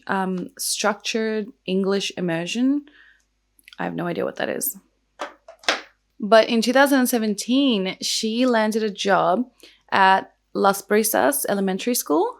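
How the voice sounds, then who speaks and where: A young woman chats casually to her viewers, dropping "like" into nearly every sentence. Her voice is croaky from the early hour and carries a steady gravelly fry, sitting at an ordinary middle pitch. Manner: chatty, lots of "like" fillers. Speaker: true crime and makeup vlogger. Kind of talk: casual chatty vlog.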